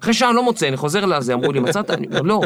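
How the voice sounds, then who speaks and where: Animated man telling stories, dry sound. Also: fairly high pitch, no echo. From Israel. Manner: animated, acts out the people in his stories. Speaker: podcast guest. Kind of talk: storytelling interview.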